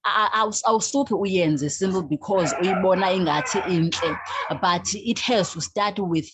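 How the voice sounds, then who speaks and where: Her voice sits on the low side at a moderate pace, with heavy background noise behind it. She's a Xhosa-accented woman from the Eastern Cape, South Africa, founder of a youth organization, switching languages during an interview where she's the guest.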